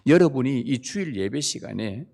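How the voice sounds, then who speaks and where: A man's voice: medium pitch, animated, moderate pace, creaky, darkish tone. A male pastor giving a sermon, speaking emphatically and putting rhetorical questions to the congregation, in a church sanctuary.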